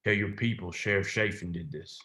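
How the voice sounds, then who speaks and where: A man's voice: sits low, a little fast, bright, forceful tone. A man playing a menacing, corrupt small-town sheriff in a script read, commanding and contemptuous. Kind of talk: screenplay table read. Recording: roomy, echoing sound.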